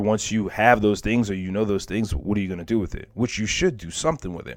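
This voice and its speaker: Very fast in pace, a man talks at a fairly low pitch with ordinary pitch variation. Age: 30s. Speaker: podcast host, business owner. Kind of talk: solo business podcast talk.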